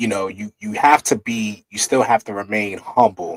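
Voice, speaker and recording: A man's fairly low voice in a New York accent, at a fairly slow pace with ordinary pitch variation, in a dry, close sound with no echo. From New York City (Brooklyn). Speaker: livestream talk show host. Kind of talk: casual chat.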